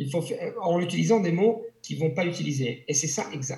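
A man with a high-pitched voice talks at a moderate pace, his pitch varying in an ordinary way. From Italy. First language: Italian (speaking French). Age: 40s. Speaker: polyglot language coach. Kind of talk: interview conversation.

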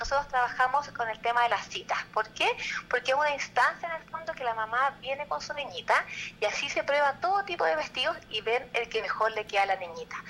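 A woman's high, raised, projected voice in a Chilean accent, fairly quick, with very wide pitch swings and music in the background. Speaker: small business owner. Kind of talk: product pitch.

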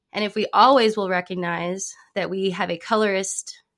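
A woman with a normal speaking voice talks at a moderate pace and medium pitch, keeping her intonation fairly even. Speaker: consultant. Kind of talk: casual chat. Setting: video call.

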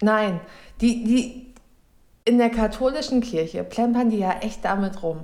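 Slow-paced with long, frequent pauses, a woman speaks in a dark, mellow tone at a fairly high pitch with ordinary variation. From Germany, small town in North Rhine-Westphalia. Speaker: podcast co-host. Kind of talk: casual chat.

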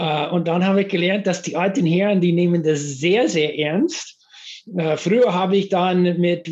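A man with an American accent, fairly even intonation and a moderate pace. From US, New Mexico and Texas. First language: English (speaking German). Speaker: professor. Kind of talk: interview. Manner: hesitant with fillers.

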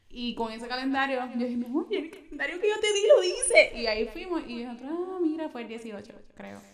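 With a Puerto Rican accent, the speaker shows very wide pitch swings and big swings in loudness. There are hardly any pauses, and noticeable background noise is heard. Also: woman, high pitch for a woman, moderate pace. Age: 20s. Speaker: interior and graphic designer. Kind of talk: casual chat.

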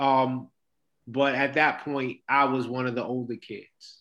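A man with a New York accent, medium pitch, a bright, sharp tone and a fairly slow pace. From New York, the Bronx. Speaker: rapper and high school teacher. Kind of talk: casual chat.

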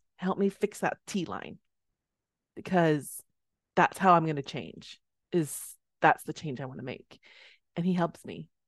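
A woman speaks fairly slowly at a fairly low pitch, with ordinary pitch variation and big swings in loudness. Long, frequent pauses break up her speech, and the sound is dry and close with no echo against a quiet background. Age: 40s. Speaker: life coach podcast host. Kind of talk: casual chat.

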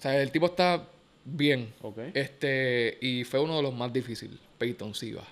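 This man has a Puerto Rican accent and a medium pitch. He speaks at a fairly slow pace with ordinary pitch variation. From Puerto Rico (San Juan, Guaynabo). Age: 30s. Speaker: professional basketball player. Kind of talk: casual interview.

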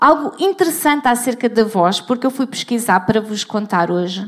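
A woman speaks at a moderate pace. Her voice is high-pitched. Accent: European Portuguese. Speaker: preacher. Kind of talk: sermon.

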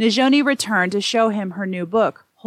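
Against a quiet background, this is reading aloud in a natural voice.

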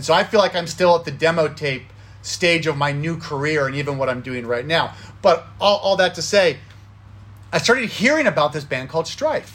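A man's fairly high voice with an American accent, at a fairly quick pace with ordinary pitch variation. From Thousand Oaks, Southern California. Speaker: music video director and musician. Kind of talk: casual interview chat.

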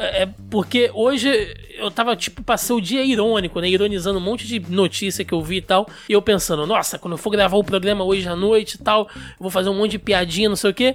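This man has a high-pitched voice and fairly even intonation. He talks at a very fast pace. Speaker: podcast host. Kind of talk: casual chat.

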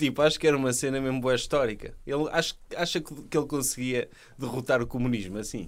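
This man talks at a very fast pace, his medium pitch moving with ordinary variation. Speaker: comedy podcast host. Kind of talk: comedic banter.

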